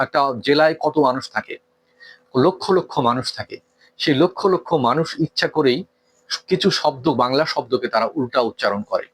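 Earnest man lecturing on manners. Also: a little high. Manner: earnest, lecturing, rhetorical questions, frequent hesitations. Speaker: speaker giving a talk on etiquette. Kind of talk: didactic talk.

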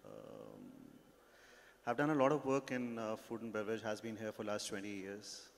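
Halting low-voiced man introducing himself. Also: lively intonation, vocal fry. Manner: halting, many filler sounds. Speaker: restaurant brand founder, panelist. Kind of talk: self-introduction on a panel. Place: large conference stage. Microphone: handheld mic. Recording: long hall reverb, faint noise.

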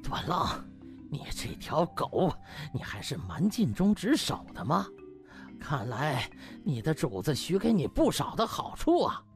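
A man's voice: a little high, huge pitch swings, measured pace, faint music behind, exaggerated voice. A man voicing a proud, defeated older hospital director in an audiobook, glowering and curt with anger. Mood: sullen contempt. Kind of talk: audiobook character acting.

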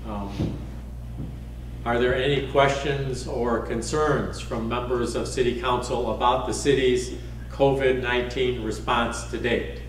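Measured mayor in a roomy council chamber. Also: male voice, mid-range voice, steady tone. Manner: measured, frequent ums. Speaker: mayor chairing a council meeting. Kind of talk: formal meeting update. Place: wood-paneled council chamber. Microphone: desk microphone from a far camera. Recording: roomy chamber, distant mic, faint hiss.

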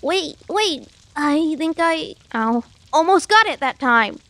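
A woman voicing an eager, naive young male superhero dog in a cartoon, earnest, excitable and hapless. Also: high-pitched, slow pace, noisy background, heavily acted. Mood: panicky, pleading. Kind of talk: cartoon voice acting.

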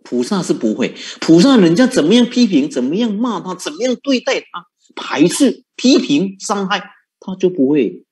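Lively, animated male Buddhist preacher. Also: sits high, moderate pace. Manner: rhetorical questions, lively and coaxing, chuckles often. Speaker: Buddhist monk teaching. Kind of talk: sermon.

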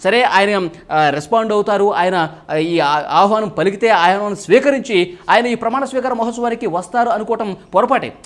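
Male news commentator, high voice, rapid fluent delivery, explanatory, leans on "so" to open phrases. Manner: fluent, explanatory, often opens phrases with English "so". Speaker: political commentator.

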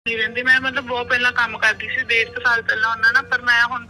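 A young woman on a speakerphone call, talking in a hesitant, halting way. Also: fairly high pitch, level tone, sharp tone, rough recording. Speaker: caller.

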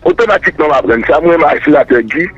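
A man's voice: fairly high pitch, animated, very fast, a bit bright, husky, lo-fi sound, faint music behind. A man, a political guest answering in a radio interview, emphatic and repetitive, declaiming his points.

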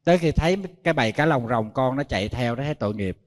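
A man's voice: medium pitch, lively intonation, fast, long reverb tail. A man, a Buddhist monk giving a sermon, telling stories and speaking directly to his listeners. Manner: storytelling, addresses listeners directly.

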